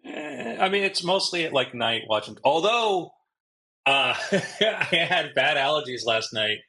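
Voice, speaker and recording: Dry, bright-voiced man chatting. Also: fairly high pitch, big pitch swings, a little slow, creaky. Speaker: podcast co-host. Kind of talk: casual chat.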